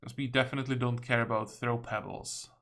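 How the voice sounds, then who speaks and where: A man narrating his own playthrough of a strategy game, musing over choices and reading the story text aloud. His voice has a gravelly, fry-laced texture at a middle pitch. The delivery is relaxed and conversational. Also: brisk. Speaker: video game let's-player. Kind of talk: casual gameplay commentary.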